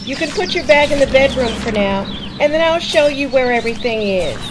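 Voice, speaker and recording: A high female voice of an actress plays a friendly, house-proud woman in an audio drama. She is chatty and polite, with noisy birdsong ambience behind her. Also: lively intonation, fairly quick.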